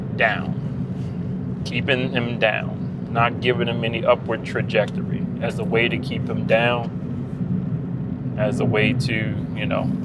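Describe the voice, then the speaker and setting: Speech comes at a very slow pace with hardly any pauses over noticeable background noise. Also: man. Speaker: physical therapist assistant. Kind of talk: casual talk to camera. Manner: casual, conversational.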